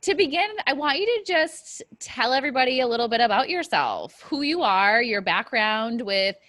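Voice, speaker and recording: A woman hosting a podcast, reading a scripted intro and then chatting with a guest, upbeat and quick to laugh. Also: a little high, sing-song, fairly bright tone, no echo, clean studio sound. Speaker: podcast host.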